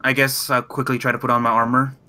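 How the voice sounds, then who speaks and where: A man's voice: mid-range voice, level tone, quick pace, pushed and bright. A man speaking casually and a little hesitantly as a player in a tabletop game. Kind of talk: casual chat during a game. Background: background music.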